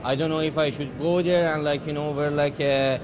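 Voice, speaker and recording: A man with a slightly high voice speaks hesitantly, full of filler words. He is surrounded by loud crowd chatter. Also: fairly even intonation, normal speed. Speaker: sports fan.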